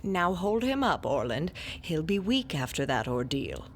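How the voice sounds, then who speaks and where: A stern old storyteller leads a ritual in an audio drama, voiced by a woman. Her voice sits low and moves slowly and solemnly, with a faint hum of ambience behind it. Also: sing-song, exaggerated voice. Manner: slow, solemn, measured. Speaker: narrator and ritual leader.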